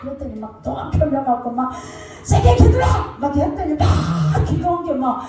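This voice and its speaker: A woman pastor preaching a sermon, telling stories animatedly in a sing-song preaching cadence and shouting commands now and then. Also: high voice, a little fast. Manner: shouts commands mid-story. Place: church. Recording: very echoey church hall, distant mic, faint music.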